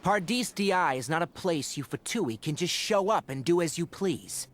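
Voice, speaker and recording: An actor playing an earnest, defiant young scholar and guardian in a video game. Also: male voice, fairly high pitch, animated, moderate pace, a bit bright, a little hiss or hum. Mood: stern, defiant.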